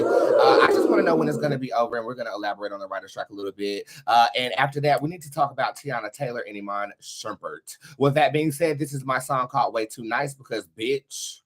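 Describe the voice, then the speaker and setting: A man talks casually to his livestream as the host. He is sassy and blunt, swears freely, and leans hard on his points in a mid-pitched voice. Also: a bit bright. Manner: sassy, profane, emphatic. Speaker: host of a tarot reading show.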